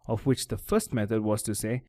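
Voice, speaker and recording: A man narrating a scripted language tutorial, explaining each step clearly and methodically. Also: on the low side, steady tone, normal speed, warm tone, no room sound, clean studio sound. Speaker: language teacher.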